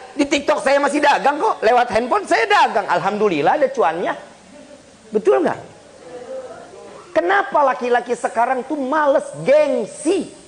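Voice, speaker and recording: A man preaches a light-hearted Islamic sermon. His voice sits high for a man, and he jokes with the crowd and asks them questions as he goes. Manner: lively, joking, addresses the audience directly. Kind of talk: humorous Islamic sermon to a congregation.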